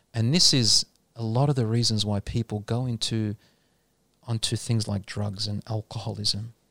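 In an Australian accent, a man speaks at a fairly slow pace with a fairly low pitch and ordinary pitch variation, the sound dry and close with no echo on a very clean recording with a silent background. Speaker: Islamic preacher. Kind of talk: religious talk in a podcast discussion.

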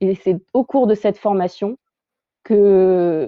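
A woman's voice at medium pitch, an unremarkable speaking voice with fairly even intonation. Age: 40s. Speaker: English teacher. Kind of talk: casual chat.

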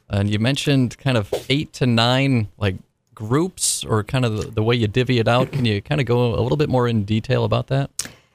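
A man talks fairly quickly in a plain, everyday voice, medium in pitch with ordinary variation and very even loudness. The recording is very clean over a silent background. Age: 30s. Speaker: radio host. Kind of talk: casual chat. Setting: studio.

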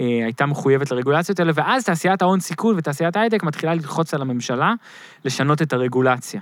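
A man with an ordinary speaking voice, lively intonation, and a fairly quick pace. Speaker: sociologist, postdoctoral researcher. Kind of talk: casual interview.

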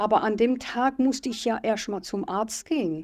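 A woman speaks at a moderate pace with fairly high pitch and an unremarkable speaking voice. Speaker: meditation community member. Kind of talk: personal testimony interview.

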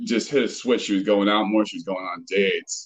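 Speaking at a fairly slow pace, a man with a fairly low pitch shows ordinary pitch variation. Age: 40s. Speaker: caller. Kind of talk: casual chat. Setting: call-in to live stream.

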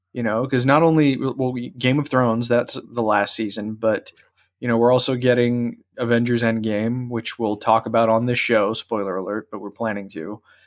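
An unremarkable speaking voice moves at a moderate pace with fairly even intonation in a very clean recording with a silent background. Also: man, medium pitch for a man. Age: 30s. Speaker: podcast co-host. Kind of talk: casual chat.

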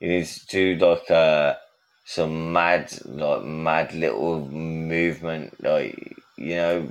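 A man with a British accent speaks at a very slow pace. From England. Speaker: regular show participant. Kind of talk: casual chat. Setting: remote call.

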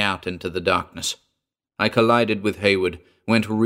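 Over a quiet background comes an unforced reading voice with fairly even intonation.

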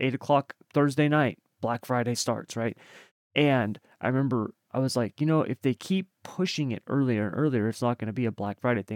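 Dry and close with no echo, a man's animated voice sits at medium pitch with ordinary pitch variation. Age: 40s. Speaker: racing podcast host. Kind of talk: casual chat.

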